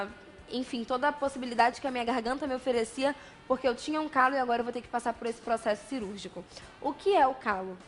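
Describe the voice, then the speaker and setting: A Brazilian woman hosts a studio talk show with a chatty, conversational manner. Her voice sits a little high. A faint hiss lies under the recording. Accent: Brazilian Portuguese. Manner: chatty, conversational, animated questioning. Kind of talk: studio interview hosting. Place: television studio.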